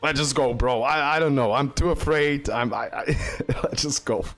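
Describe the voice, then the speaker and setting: A man's voice: medium pitch, moderate pace, a bit bright, soft background music. A man giving casual, unscripted gameplay commentary as a video host, often repeating short phrases over and over.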